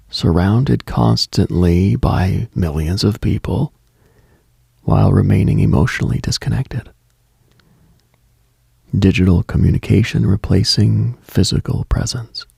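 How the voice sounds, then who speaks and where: A man hosting a late night radio monologue in a hushed, brooding, contemplative manner, speaking deliberately with long pauses into a close microphone. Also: low-pitched, dry recording. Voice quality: husky, gravelly.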